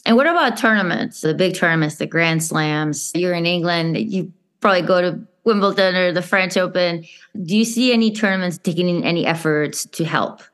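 Woman host, a bit low-pitched, friendly interviewer. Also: moderate pace, fairly bright tone. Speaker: podcast host. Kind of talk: podcast interview.

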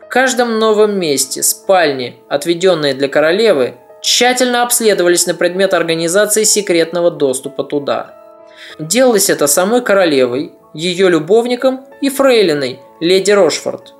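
A podcast narrator giving a scripted historical narration, measured storytelling with ironic asides. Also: medium pitch, expressive, soft background music.

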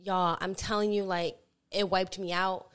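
A woman co-hosting a casual podcast, talking in an animated way, laughing often and talking over the others. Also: fairly low pitch, unhurried, a loud crowd. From United States. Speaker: podcast co-host. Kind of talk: casual chat.

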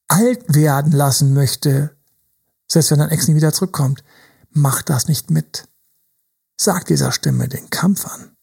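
A man's voice: fairly high pitch, gravelly, darkish tone, breathy edge. A man giving a motivational talk as a relationship coach, emphatic and dropping now and then into whispers to act out inner voices. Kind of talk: motivational monologue.

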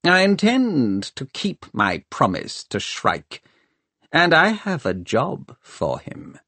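A man's voice: on the high side, wildly swooping pitch, slow, bright, forceful tone, husky, no room sound, voice pushed up, heavily acted. A man voicing a scheming male city ruler who speaks in a clipped, commanding way. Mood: cold command.

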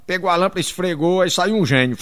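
High-voiced joke teller. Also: male voice, fast talker. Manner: animated, jumps in pitch for each character, drawls the refrain. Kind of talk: telling jokes with a stock refrain.

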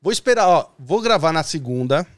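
Lively, high-pitched bantering man. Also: a little fast, no room sound. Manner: playful, boastful banter. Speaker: host. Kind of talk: casual chat.

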